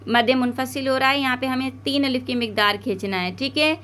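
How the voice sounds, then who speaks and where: A woman teaching Quran recitation step by step, drawing out each word slowly to model it, then explaining quickly, with a South Asian Urdu accent. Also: sits high, fairly bright tone.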